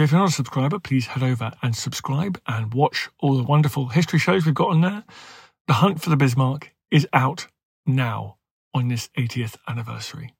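A man's voice: mid-range voice, slightly rough, no room sound, studio quality. A man in his forties with a dental lisp, hosting a podcast and interviewing a guest with earnest enthusiasm. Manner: earnest, grateful. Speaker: podcast host.

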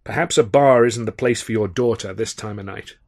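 Guy doing a polite barman, calm and measured, regular voice. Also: lowish voice, vocal fry.

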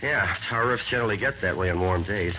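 A man's voice: low voice, quick pace, natural voice. An American man playing a skeptical, wisecracking sidekick with a wry, joking way in 1940s radio acting style. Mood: matter-of-fact. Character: Scubby, breezy, skeptical, wisecracking male sidekick. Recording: muffled, noisy 1940s radio recording.

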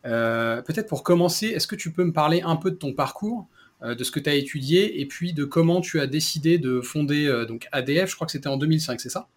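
A man's voice: a little high, expressive, fairly quick. A man with a French accent hosting an interview podcast, introducing topics and putting questions to his guest.

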